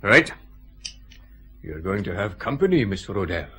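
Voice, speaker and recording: A husky police sergeant. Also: male voice, on the low side, very animated, measured pace, pushed and bright, heavily acted. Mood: gruff. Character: gruff male police sergeant. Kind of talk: radio drama acting.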